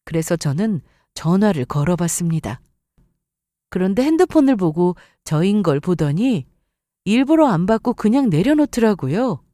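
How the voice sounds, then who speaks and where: A woman's voice: mid-range voice, big pitch swings, moderate pace, dark tone, dry recording, studio quality. A woman reading a scripted first-person story as a narrator.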